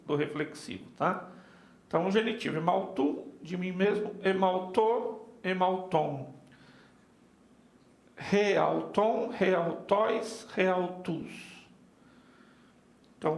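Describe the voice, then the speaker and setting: A man teaching Biblical Greek in a seminary class, slowly spelling out word forms and checking in with his students. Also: high voice, roomy sound. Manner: slow, spells out forms, frequent "tá?" and "ó". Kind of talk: classroom lecture. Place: church classroom.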